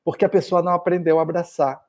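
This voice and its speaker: A man's voice: a little high, steady tone, fast talker, darkish tone. A middle-aged man from Brazil giving a spiritist lecture, telling anecdotes and acting out short bits of dialogue.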